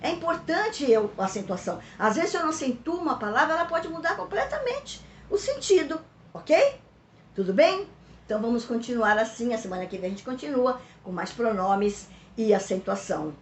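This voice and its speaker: A woman teacher with a São Paulo Brazilian accent explains a lesson for pupils slowly and patiently, repeating key words and checking in with her listeners. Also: a little high, sing-song, roomy sound, slight background noise. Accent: Brazilian Portuguese, São Paulo.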